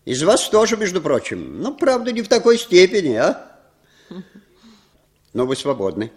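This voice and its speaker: A cynical American intelligence chief in a vintage radio drama. His tone is dry and ironic, with a calm, commanding edge. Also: high voice, normal speed, slightly rough, full character voice. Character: cynical older male American spymaster. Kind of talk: 1960s Soviet radio play acting.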